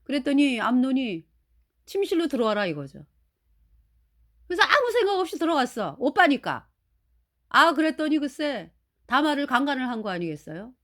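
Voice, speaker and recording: A woman's voice: sits high, big pitch swings, normal speed, pauses often, fairly bright tone. A woman preaching a sermon, retelling a Bible story in a colloquial way, acting out the quotes and asking listeners to agree.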